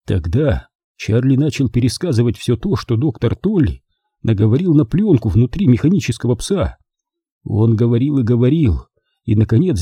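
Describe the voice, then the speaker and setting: A man narrating a children's novel as an audiobook with expressive storytelling. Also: medium pitch, breathy edge, dry recording. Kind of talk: scripted narration.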